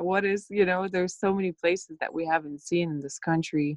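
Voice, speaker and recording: A woman with a slight Polish accent and a fairly low voice, her pitch varying in an ordinary way. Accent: light Polish. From Poland. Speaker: full-time RV traveler. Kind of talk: casual interview.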